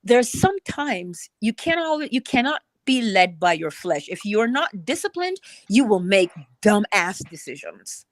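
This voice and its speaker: A woman's voice: mid-range voice, sing-song, measured pace, hardly any pauses, dry recording. A woman from Barbados, co-hosting a casual chat and giving earnest, preachy advice about self-discipline. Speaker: co-host.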